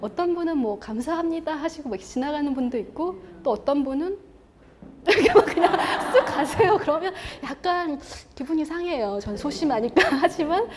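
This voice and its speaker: A bright, high-pitched woman lecturing on stage in a friendly, chatty way. She acts out inner thoughts and laughs often as she speaks. A faint room hum sits under her voice. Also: lively intonation, normal speed. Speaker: relationship columnist giving a lecture. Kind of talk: televised public lecture. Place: lecture stage before an audience.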